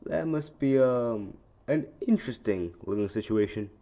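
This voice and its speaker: A man's voice: mid-range voice, animated, moderate pace, dark tone, natural voice. A man reading out fan questions in a scripted comic dub.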